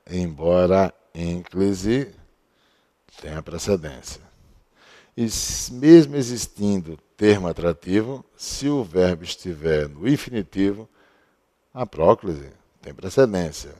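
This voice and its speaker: A man's voice: low voice, warm tone. A man teaching a recorded grammar lesson at a board, explaining step by step and asking and answering his own questions. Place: at a board he writes on and erases.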